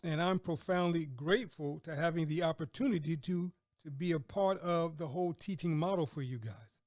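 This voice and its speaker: A man's voice: a little high, moderate pace, darkish tone, no room sound, studio quality. A middle-aged man hosting a conversational interview, affirming and repeating words and phrases for emphasis. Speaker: podcast host and business mentor.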